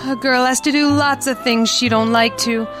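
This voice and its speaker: A woman's voice: sits high, steady tone, a little slow, fairly bright tone, faint music behind. A woman playing a sweet, scheming young dance-hall girl in the melodramatic style of an old pulp radio drama. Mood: wistful.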